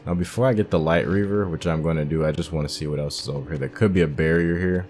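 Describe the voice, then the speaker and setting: Very deep-voiced man thinking aloud while gaming. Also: steady tone, quick pace, darkish tone, faint music behind. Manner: thinking aloud, muttering to himself. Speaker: gamer, video game playthrough host. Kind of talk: casual, unscripted gameplay commentary.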